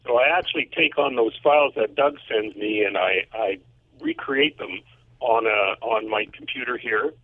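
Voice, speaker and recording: A man's voice: on the low side, normal speed, no echo. Man on a tinny phone line. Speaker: composer and audio mixer, remote guest. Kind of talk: casual explanatory interview talk. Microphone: phone or remote call. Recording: tinny, narrow telephone line.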